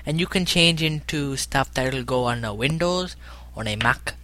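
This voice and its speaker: A man's voice: medium pitch, animated, normal speed, bright, forceful tone. A man co-hosting a comedic podcast, playful and agreeable, often repeating his words. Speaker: podcast co-host.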